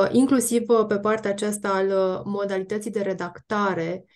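This woman talks at a fairly slow pace, keeping her intonation fairly even. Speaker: former ministry civil servant. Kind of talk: panel discussion. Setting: video call. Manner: halting, many fillers.

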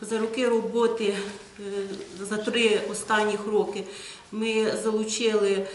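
A woman speaks at a very slow pace in a monotone, flat intonation with a fairly high pitch. Audible room echo and light background noise surround her voice. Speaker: care home director, job candidate. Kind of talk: job interview presentation. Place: meeting room. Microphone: camera far.

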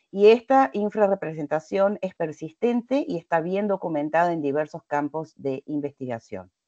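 Words come at a fairly slow pace, with a quiet background behind them. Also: woman. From Argentina. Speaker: guest speaker on scholarly publishing; guest. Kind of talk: presentation. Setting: video call. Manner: hesitant, many fillers. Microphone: video call.

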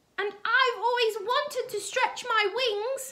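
The speaker uses a put-on character voice at an extremely high pitch. The pace is fairly slow. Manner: clucking, wistful.

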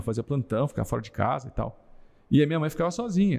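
A man with a fairly high pitch and a dark, mellow tone talks at a very fast pace. The background is quiet. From São Paulo state, Brazil. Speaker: podcast guest or host. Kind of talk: casual conversational podcast. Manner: animated. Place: studio. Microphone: studio mic.

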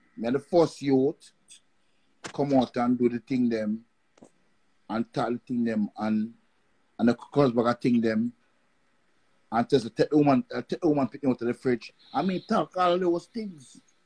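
A man with a Jamaican accent at medium pitch, dark and mellow in tone, with ordinary pitch variation, a fairly slow pace, and long, frequent pauses. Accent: Jamaican Patois-inflected English. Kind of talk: casual chat. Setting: video call. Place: home room. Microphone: video call.

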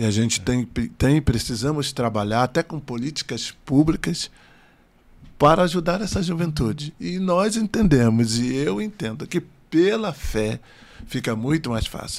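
A man speaks at a fairly slow pace and a fairly high pitch. His pitch swings very widely. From Rio de Janeiro, Brazil. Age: 60s. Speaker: podcast guest. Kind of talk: testimony. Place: studio. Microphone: studio mic.

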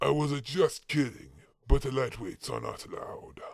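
A man's put-on character voice at a moderate pace. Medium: fan dub. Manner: rough, teasing.

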